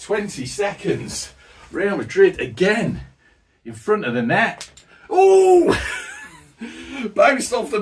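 A man, the host, commentating his own tabletop football game play by play, excitable and jokey with sudden loud outbursts, out of breath from the heat. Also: fairly high pitch, recorded from a distance. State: out of breath, hot.

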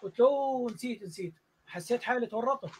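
A man with a Jordanian Arabic accent tells a story quickly in a very high voice. He acts out each exchange with animated energy. He is a music teacher speaking casually in a live online interview. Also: background noise.

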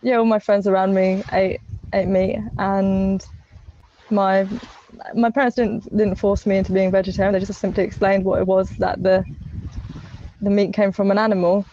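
A woman's voice: mid-range voice, flat delivery, normal speed, mellow, a little hiss or hum. A young woman, chatting casually as a podcast guest, with lots of fillers and restarts. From England. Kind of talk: casual interview chat. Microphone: earphone mic on a video call. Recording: lo-fi video call audio.

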